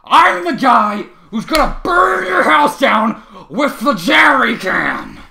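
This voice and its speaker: A man's voice: extremely high pitch, big pitch swings, brisk, a crowd in the background, pitched above the performer's own voice. A man voicing a volatile, foul-mouthed human man who screams and swears in long rants, recorded in an echoey room. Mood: raging.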